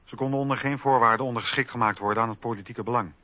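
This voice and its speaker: A man's voice: mid-range voice, steady tone, racing, no room sound. A man narrating history from a script for a documentary radio play. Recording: dull radio recording with faint music.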